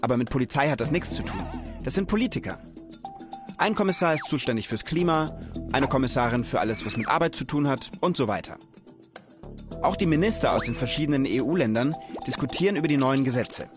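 Lively man presenting for kids over music. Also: medium pitch, brisk. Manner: lively, addresses viewers directly as kids. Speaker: children's show presenter. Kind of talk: upbeat presenting and voice-over for young viewers.

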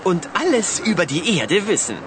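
A woman's voice: lowish voice, big pitch swings, normal speed, heavy background noise. A woman voicing an earnest, bookish boy explorer who lectures with matter-of-fact confidence. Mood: lecturing. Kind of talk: children's cartoon voice acting.

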